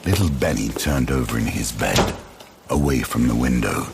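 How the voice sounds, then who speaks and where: A man narrating a gothic horror drama in an ominous, deliberate, theatrical storytelling manner. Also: very deep voice, animated, creaky, heavy background noise. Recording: loud cinematic music bed. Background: loud dramatic music.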